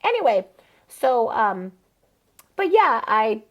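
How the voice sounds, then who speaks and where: A trans woman drag queen chatting expressively as a podcast guest, her voice turning nasal when she gets excited. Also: on the high side, slow pace, lo-fi sound. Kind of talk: casual podcast conversation.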